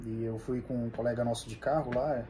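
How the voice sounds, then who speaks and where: A young adult Brazilian man speaking Brazilian Portuguese in casual conversation, telling of his work in a halting way and often restarting his phrases. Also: mid-range voice, steady tone, over a noisy crowd. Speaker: bricklayer sharing experience. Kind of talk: casual chat.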